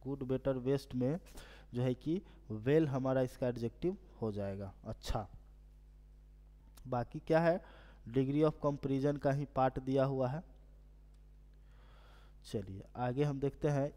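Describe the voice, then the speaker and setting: A male teacher walking students through exam questions, reading each English question slowly and then explaining it. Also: fairly high pitch, warm tone, in a large hall. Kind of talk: exam prep lesson.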